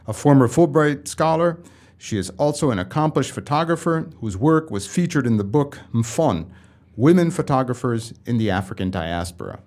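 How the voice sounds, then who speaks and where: A man hosting an academic podcast, reading a formal introduction and asking measured questions. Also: medium pitch, lively intonation, darkish tone. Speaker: podcast host. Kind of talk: scripted introduction and interview questions.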